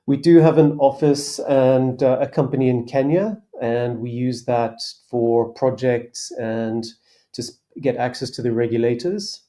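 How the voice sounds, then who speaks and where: Guy on a podcast panel, warm mellow voice, lots of ums and restarts, easygoing. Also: mid-range voice, a little slow. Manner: relaxed, hesitant with many fillers. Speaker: company executive guest. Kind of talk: casual panel discussion.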